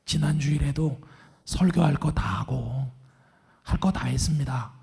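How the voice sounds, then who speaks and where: Hoarse middle-aged male pastor, raspy half-whisper, fairly high pitch, preaching calmly with long church reverb. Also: measured pace. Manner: calm, earnest, reassuring. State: hoarse, strained voice after vocal cord surgery. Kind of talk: sermon. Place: large church sanctuary.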